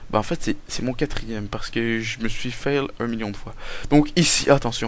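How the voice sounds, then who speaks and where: A man keeps his intonation fairly even as he talks at a moderate pace. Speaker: gaming youtuber. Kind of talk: gameplay commentary. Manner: halting.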